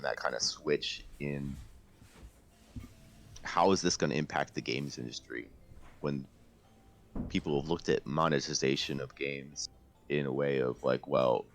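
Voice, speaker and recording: Man, extremely low voice, creaky fry, emphatic podcast chat. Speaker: podcast co-host. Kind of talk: casual video game discussion.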